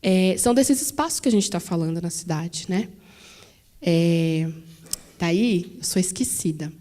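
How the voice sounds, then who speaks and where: São woman panelist, warm, mellow tone, conversational, tags questions, acts out quotes. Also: lowish voice, measured pace. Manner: conversational, frequent tag questions, animated quoting. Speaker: panelist at a teachers' talk. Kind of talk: public talk answering questions. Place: museum auditorium.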